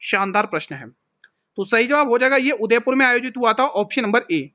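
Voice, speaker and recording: A man, a coaching teacher solving an exam paper for students in a brisk way, who often calls them "mere bhai". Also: extremely high pitch, expressive, bright, forceful tone, dry recording, muffled recording. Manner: brisk, calls viewers "mere bhai", keeps saying "theek hai".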